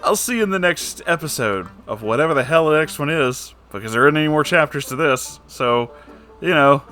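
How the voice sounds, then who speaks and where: This bad-story reading show's host is a man whose voice sits on the high side, brisk, pushed and bright with lively intonation. With plucked guitar playing behind him, he chats loosely to viewers in a theatrical, wry, self-deprecating manner, dropping the odd swear word.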